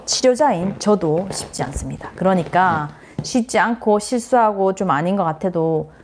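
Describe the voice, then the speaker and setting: A woman's voice: mid-range voice, lively intonation, moderate pace, a little mellow, slight background noise. A middle-aged woman psychiatrist giving a parenting lecture, speaking earnestly, acting out what parents and children say and mixing in English phrases.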